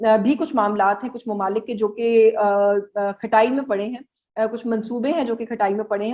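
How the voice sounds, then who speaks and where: A woman journalist with a Pakistani accent giving political news analysis in a halting, explanatory way, mixing in English words. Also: fairly high pitch, a little mellow.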